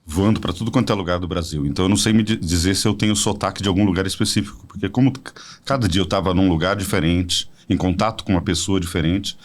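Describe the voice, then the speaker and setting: A man in his forties from São Paulo, a podcast guest telling a personal story as a smooth sales pitch. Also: fast talker. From São Paulo state, Brazil. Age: 40s. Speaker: podcast guest, product representative. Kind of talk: casual promotional chat.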